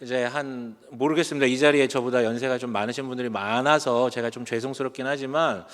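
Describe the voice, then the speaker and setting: A man's voice: mid-range voice, fairly even intonation, fast talker, fairly bright tone. A man in his forties, a pastor giving a chatty, self-deprecating sermon and telling stories with humor. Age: 40s. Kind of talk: conversational sermon. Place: church sanctuary. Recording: long hall reverb from a church sanctuary.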